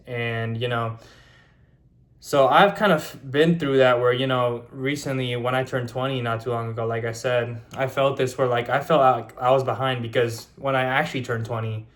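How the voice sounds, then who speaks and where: A man's voice: mid-range voice, a bit bright. A man of twenty talking casually to camera in a vlog, rambling with many fillers and restarts. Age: 20s. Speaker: YouTuber.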